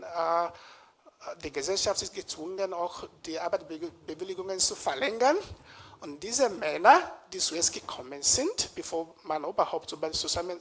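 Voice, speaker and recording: A man from Nigeria giving a public lecture in a lecture room, pausing often with hesitations as he searches for words. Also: sits high, fairly bright tone, breathy edge.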